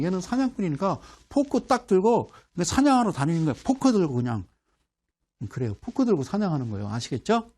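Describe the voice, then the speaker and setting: A man's voice: high voice, darkish tone. A middle-aged man giving a playful stock chart lecture, asking questions and answering himself, with sound effects and mock dialogue. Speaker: stock market instructor.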